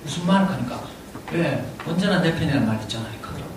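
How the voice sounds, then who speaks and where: A middle-aged man with a Gyeongsang accent tells a personal story to an audience, animated and laughing often as he talks. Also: a little high, quick pace. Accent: Gyeongsang (Daegu). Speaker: parent speaking at a parenting lecture. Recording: echoey hall, distant mic, audible room noise.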